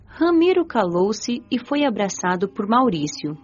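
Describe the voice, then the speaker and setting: A woman with a Brazilian Portuguese accent narrates a radio drama, her pitch rising and falling a great deal. Her voice sits in a mid range. The recording sounds dull and lo-fi. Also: big pitch swings, measured pace, breathy edge. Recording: dull lo-fi audio.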